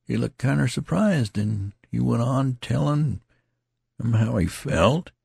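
A man's voice: medium pitch, lively intonation, unhurried, gravelly, darkish tone, slightly rough, no room sound, studio quality, pitched above the performer's own voice, full character voice. A man voicing a dazed, wounded male soldier who rambles in a slurred, folksy country dialect. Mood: rambling. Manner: pleading, repetitive, plaintive.

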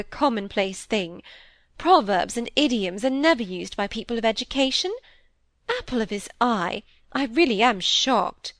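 A woman's voice: on the high side, no echo, voice pushed up. A woman reading aloud, voicing a prim, fussy middle-aged stepmother who scolds in an affected, snobbish way.

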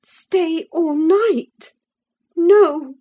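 A woman voicing a passionate young woman, high and tearful, pleading and defiant. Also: very slow, dark tone, dull audio, heavily acted.

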